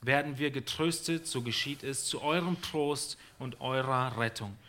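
Bright-voiced man interpreting a sermon. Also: mid-range voice, a little slow, a little hiss or hum. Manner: mirrors the preacher's delivery, stumbles and restarts. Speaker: church interpreter.

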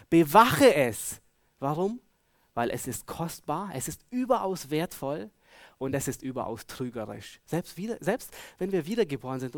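A man with a fairly high voice preaches a sermon, earnestly putting searching questions to his listeners. He shifts between loud emphasis and hushed tones, and there is no echo.

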